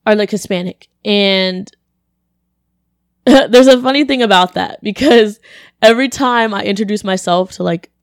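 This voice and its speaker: A young woman, a college student, telling a story in casual chat, her voice deeper than usual and a bit congested, with lots of "like" and acted-out quotes. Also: dry recording, studio quality. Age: young adult. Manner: chatty, animated, lots of "like", acts out quotes.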